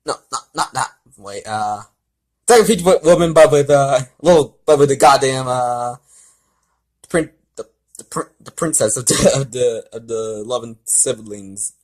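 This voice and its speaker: A man who reads and comments on fan fiction gives an amateur read-aloud of a story, stumbling haltingly over words and dropping casual side remarks. His voice is mid-range with a darkish tone.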